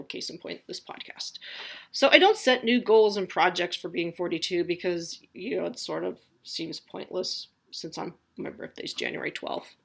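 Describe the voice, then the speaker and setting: A woman's voice: fairly low pitch, vocal fry, a bit bright. A woman in her forties hosting a casual solo podcast from home, chatty and rambling, with a self-deprecating humor. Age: 40s. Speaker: podcast host.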